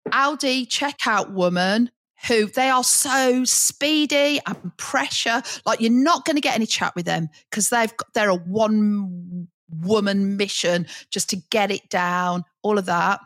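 A middle-aged woman, co-hosting a podcast and telling a lively anecdote with frequent laughter. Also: medium pitch, a little slow, no echo. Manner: lively storyteller, chatty, laughs often. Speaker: podcast co-host, teacher trainer. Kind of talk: casual chat, anecdote.

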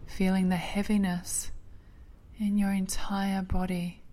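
Slow, soft-voiced woman guiding sleep meditation. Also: mid-range voice, little pitch movement. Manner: soft, breathy, half-whispered, soothing. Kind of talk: guided sleep meditation, like a sleep story narrator.

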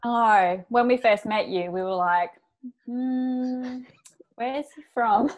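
A woman's voice: a little high, takes it slowly. A woman co-hosting a podcast, upbeat and eager, laughing along with her guest. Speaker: podcast co-host. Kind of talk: casual interview chat.

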